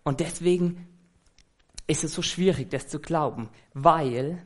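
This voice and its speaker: A man's voice: fairly high pitch, unhurried. A man preaching an earnest, conversational sermon that he fills with rhetorical questions.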